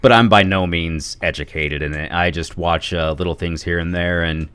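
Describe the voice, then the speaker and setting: A man's voice: deep voice, fairly even intonation, moderate pace, fairly bright tone, clean tone, no room sound. A man chatting casually as a podcast guest in a laid-back, self-deprecating way. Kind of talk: casual chat.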